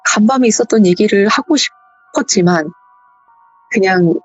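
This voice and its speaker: A woman's voice: medium pitch, moderate pace, slightly rough, no room sound, lo-fi sound, soft background music. A woman hosting a horror radio show, retelling a listener's true ghost story in a conversational way. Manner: conversational storytelling, acting out the quotes.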